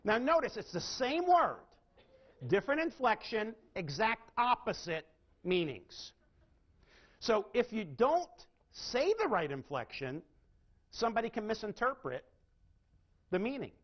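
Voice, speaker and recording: A man's voice: high-pitched, sing-song, unhurried, long pauses, highs cut off. A man giving a live seminar talk, often putting questions to his audience and showing how inflection changes meaning. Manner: asks the audience rhetorical questions and demonstrates inflection. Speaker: seminar speaker.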